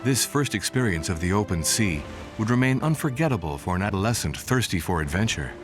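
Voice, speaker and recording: A man narrating a documentary from a script in a measured storytelling manner. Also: on the low side, animated. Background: music bed.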